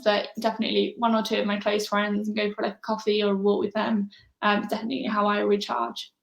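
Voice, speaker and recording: A woman answering interview questions in a relaxed, casual way, soft-spoken with frequent pauses and fillers. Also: medium pitch, gravelly. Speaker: interview guest. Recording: echoey room.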